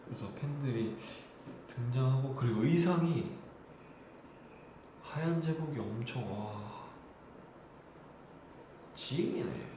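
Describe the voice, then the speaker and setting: A man's voice: mid-range voice, takes it slowly, pauses often. A young man in his twenties chatting casually and laughing with fans on a live stream. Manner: chatty, laughing, polite speech. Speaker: idol hosting a live stream. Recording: very echoey room with clear background noise.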